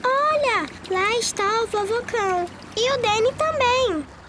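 A woman's voice: very high voice, animated, unhurried, heavy background noise. A woman voicing a cheerful little girl pig in a cartoon dub, bubbly and giggly. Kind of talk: Brazilian Portuguese cartoon dub.

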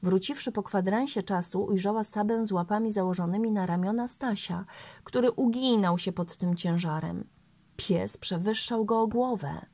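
A woman narrating a novel aloud in a steady, measured way. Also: mid-range voice. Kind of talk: audiobook reading of a novel.

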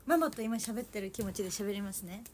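A young idol livestreamer from Toyama, Japan, chats casually with viewers, reads comments, and giggles often, speaking with a Toyama accent. Her medium-pitched voice is fast, with a little hiss or hum in the audio.

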